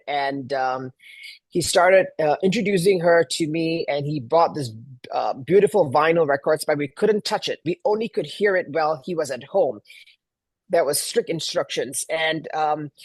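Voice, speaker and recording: A man's voice: fairly high pitch, moderate pace, no room sound. A middle-aged man from Malaysia answering interview questions as a guest, telling personal stories in a conversational way. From Kuala Lumpur, Malaysia. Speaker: guest, event planner.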